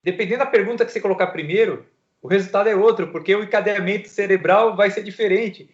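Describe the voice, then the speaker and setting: A man explaining ideas in casual conversation, lively and full of everyday examples. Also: high-pitched, quick pace. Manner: lively, gives everyday examples, laughs lightly. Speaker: co-host in a discussion. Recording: echoey lo-fi recording.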